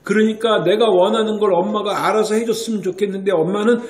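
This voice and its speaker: High-voiced man lecturing in an echoey room. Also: fairly even intonation, fast. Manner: emphatic, keeps asking rhetorical checks like "right?". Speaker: Korean medicine doctor explaining child development. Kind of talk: explanatory talk to parents.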